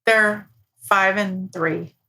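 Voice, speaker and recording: A woman's voice: medium pitch, steady tone, very slow, pushed and bright. Friendly, curious woman podcast host. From New York, USA. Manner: friendly, curious questioning, dry asides. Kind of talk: casual podcast interview.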